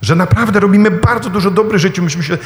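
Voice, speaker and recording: A man preaching a sermon in a lively storytelling manner, with rhetorical questions and touches of humor. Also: high-pitched, fast talker, echoey room, in a large hall. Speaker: priest preaching.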